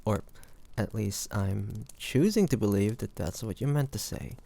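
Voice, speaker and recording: A man playing a flirty, teasing bodyguard to a noble in an intimate fantasy audio roleplay, with playful, halting delivery. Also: on the low side, creaky, warm tone. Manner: playful, teasing, halting pauses, often chuckling.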